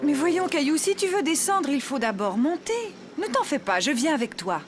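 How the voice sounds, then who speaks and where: High, lively cartoon mother. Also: moderate pace, over music. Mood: patient, encouraging. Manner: encouraging, reassuring. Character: gentle, patient, reassuring young mother. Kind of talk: children's cartoon dialogue.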